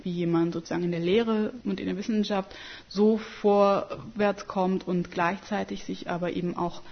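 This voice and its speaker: A woman's voice: fairly low pitch, lo-fi sound. A German woman in her thirties, a scholar answering in a radio interview, thoughtful and emphatic with small hesitations. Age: 30s.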